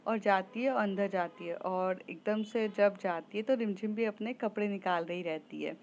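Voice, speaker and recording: A woman's voice: medium pitch, normal speed, darkish tone, a little hiss or hum. A woman telling a love story in a casual, conversational way with frequent hesitations, on a slightly muffled recording. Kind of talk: casual spoken story narration.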